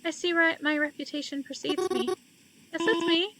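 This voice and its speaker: Woman reader as a gentle young woman consoling a mourner, high voice, loud background noise. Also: fairly even intonation, moderate pace. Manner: soft, consoling. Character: calm young woman who attends funerals.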